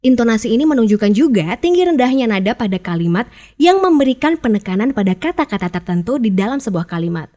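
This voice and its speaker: Upbeat woman coach, higher voice. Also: sing-song, fast, dark tone. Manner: chatty and upbeat, acts out example phrases. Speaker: public speaking coach. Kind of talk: casual podcast lesson.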